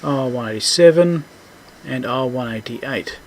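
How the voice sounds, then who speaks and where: A repair host with a medium-pitched voice gives a casual, unscripted technical walkthrough, pausing haltingly as he thinks out loud.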